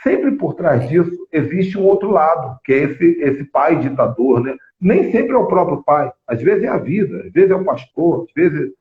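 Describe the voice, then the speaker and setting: Animated man, echoey phone sound. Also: a little high, normal speed, hardly any pauses, phone-quality sound. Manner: animated storytelling, many restarts. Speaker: apostle and prophet, show host. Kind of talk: live religious teaching talk.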